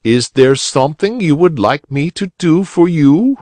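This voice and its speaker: A man doing a kindly old rabbit gentleman. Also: fairly high pitch, animated, a little slow, no room sound, pitched above the performer's own voice. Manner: kind, fussy, gentle.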